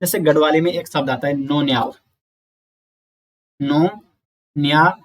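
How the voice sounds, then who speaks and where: A man giving an exam-prep lecture, explaining slowly, repeating sounds and counting aloud. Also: a little high, steady tone. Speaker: teacher.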